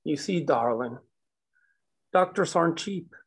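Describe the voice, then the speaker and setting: A man's voice: on the high side, animated, a little slow, heavily acted. A man reading a condescending coal company enforcer. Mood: cold. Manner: smooth, condescending threats. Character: menacing company man pressuring a woman. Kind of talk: script table read.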